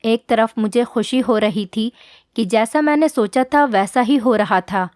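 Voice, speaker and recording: Female narrator, earnest scripted storytelling, higher register, dry close-mic sound. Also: a little slow, a little mellow, no room sound. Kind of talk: first-person scripted storytelling.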